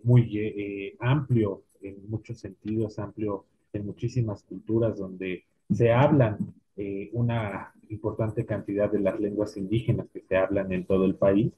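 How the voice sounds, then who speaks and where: A man's voice: fairly low pitch, breathy edge. A man in his thirties hosting a formal interview for a cultural institute over a video call, hesitant with many "eh" fillers. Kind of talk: formal live interview host. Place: small home room. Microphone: earphone mic on video call. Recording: tinny phone-like video call line.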